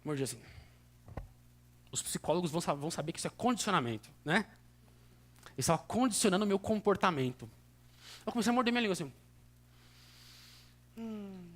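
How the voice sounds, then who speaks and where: A young man with a São Paulo accent preaches to a youth service in a slightly raised register. He talks to the crowd like friends, dropping into hushed asides, then lifting into sudden emphatic bursts. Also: sits high, lively intonation, fairly quick, pauses often. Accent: São Paulo state Brazilian Portuguese. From Brazil. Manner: conversational and earnest, swinging between soft asides and sudden emphatic bursts. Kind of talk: sermon. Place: church.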